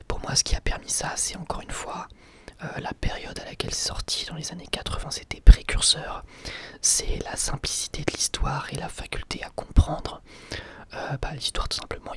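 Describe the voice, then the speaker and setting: A man whispering softly in an ASMR question-and-answer video, pausing often on hesitant fillers. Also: fairly high pitch. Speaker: ASMR channel host.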